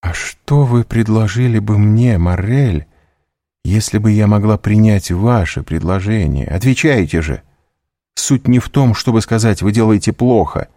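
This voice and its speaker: A man's voice: measured pace, warm tone, no room sound, studio quality. A man reading an audiobook, voicing a young noblewoman in raised, pleading, distressed tones. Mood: indignant. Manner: raised pitch, tearful urgency.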